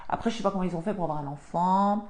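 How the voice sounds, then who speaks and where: A woman's voice: lowish voice, rapid-fire, darkish tone. A woman, chatting on a live stream from her home office and answering viewer comments as a spiritual coach. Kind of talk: casual live-stream chat.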